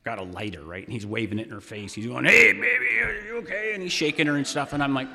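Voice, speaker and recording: A man telling a wry, animated personal story to a live audience, building suspense. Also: on the low side, very fast, a little hiss or hum. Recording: long hall reverb.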